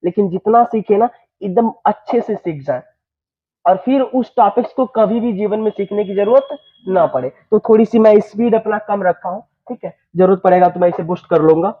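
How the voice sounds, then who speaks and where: High-voiced teacher, tinny phone-like sound. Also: male voice. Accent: Bhojpuri-influenced Hindi. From eastern Uttar Pradesh, India. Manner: repeats phrases, checks students understand, slows down for English sentences. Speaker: English teacher. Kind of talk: classroom lesson.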